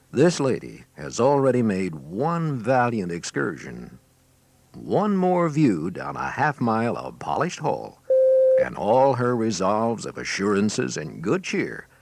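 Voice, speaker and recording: A gravelly man with a fairly low voice narrates a scripted training filmstrip, telling it in a wry, theatrical storyteller's style. It was captured on an old 1980s cassette, and the tape is noisy and full of clicks.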